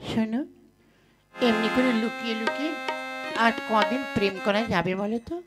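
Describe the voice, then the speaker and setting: A woman's voice: on the high side, normal speed, lightly acted. Woman acting a sulky young village sweetheart, music behind. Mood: complaining, coaxing. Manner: pouting, scolding, coquettish. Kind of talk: folk puppet comedy acting in Bengali.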